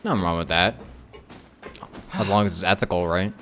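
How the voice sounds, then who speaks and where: A man's voice: low voice, normal speed, fairly bright tone, slight background noise. A man streaming a game with casual, informal commentary, repeating phrases for emphasis. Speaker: live streamer. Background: game music.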